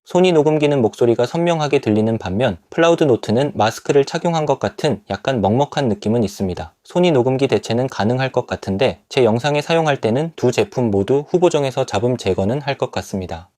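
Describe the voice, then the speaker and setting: A man's voice: mid-range voice, expressive, fast talker, hardly any pauses, mellow, dry recording, clean studio sound. A man narrating a scripted product review in a polite, explanatory manner.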